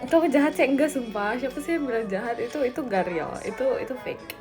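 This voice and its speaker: A woman's voice: sits high, fast, music in the background. A twenty-year-old woman on a casual live stream, reading out viewer comments and answering them in a playful, teasing way with a lot of giggling. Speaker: idol livestreamer.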